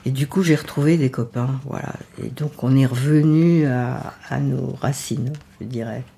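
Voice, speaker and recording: An older woman whose first language is Yiddish, recalling her past in a halting, reflective interview. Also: rumbling low, gravelly, dark tone, breathy edge. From France. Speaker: witness. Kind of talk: interview testimony.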